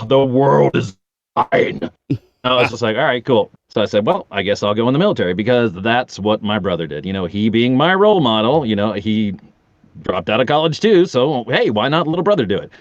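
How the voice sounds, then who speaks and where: This podcast guest is a voice actor for audio dramas, a man in his forties who swaps stories in a relaxed way and performs the lines of dialogue with lively energy. He speaks briskly in a lowish register. There's no echo, though the recording is muffled.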